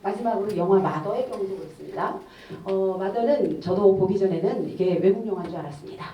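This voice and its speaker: A middle-aged woman giving a formal academic discussion at a conference, measured and hesitant, with frequent fillers. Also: medium pitch. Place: conference hall. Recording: echoey hall, distant muffled mic.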